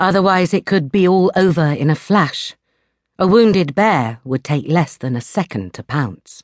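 A woman's dramatic delivery with vocal fry, fairly low in pitch, lively in intonation and moderate in pace, dry and close with no echo. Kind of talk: audiobook narration of a thriller. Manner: tense, dramatic, building suspense.

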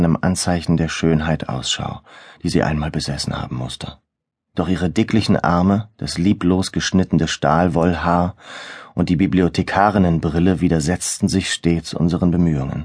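The background is quiet. A male speaker talks at a very deep, low pitch. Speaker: audiobook narrator. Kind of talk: audiobook narration, reading a novel aloud. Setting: studio. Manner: measured, even storytelling pace.

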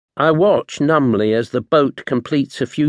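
Speaking with a British accent, a man goes at a fairly slow pace with lively intonation. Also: dry, close sound with no echo. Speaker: audiobook narrator. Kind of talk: first-person memoir narration building suspense in a survival story. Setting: studio. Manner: tense, dramatic pacing with short clipped beats like 'Relief. Except not quite.'; wry, self-deprecating humour undercutting the peril.

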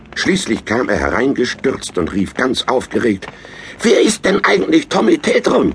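A man talks in an animated tone at a fairly slow pace. Background noise is noticeable. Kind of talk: audiobook reading of a ghost story. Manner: slow, hushed, spooky storytelling; animated, voicing different characters.

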